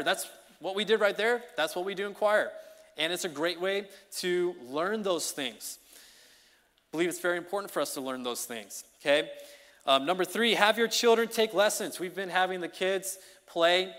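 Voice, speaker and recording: A man preaching an informal midweek sermon as song leader, talking in a conversational, energetic way that keeps checking in with the congregation. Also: high voice, moderate pace. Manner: conversational, energetic, often checks in with "okay?" and "you know". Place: church sanctuary. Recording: long reverb of a church hall.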